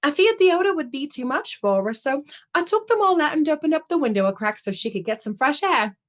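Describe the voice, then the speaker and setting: An actress playing a chirpy, chatty household maid who is pleased with herself, in a radio play. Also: female voice, sits high, big pitch swings, fairly quick, fairly bright tone. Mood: chirpy, proud. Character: chirpy, self-satisfied female household maid. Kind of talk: theatrical radio drama acting.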